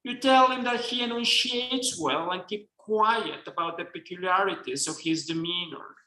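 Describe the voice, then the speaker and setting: A man's voice: high voice, moderate pace, bright, forceful tone. A man with a Mexican accent reading aloud as a flamboyant, unashamed gay Southern man, putting on a Southern accent. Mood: wry. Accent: attempted Southern US. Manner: theatrical, campy read-aloud delivery. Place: bookstore event space. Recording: echoey room.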